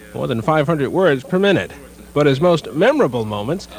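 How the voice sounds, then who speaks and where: Very wide pitch swings in a male voice, over background music. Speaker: TV news reporter. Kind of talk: TV news report.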